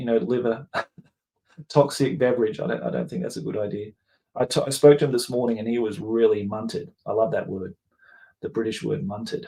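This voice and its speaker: At a fairly quick pace but with long, frequent pauses, a man with an Australian accent talks in a dark, mellow, medium-pitched voice with ordinary pitch variation. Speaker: gaming hobby YouTuber. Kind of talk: casual live stream chat.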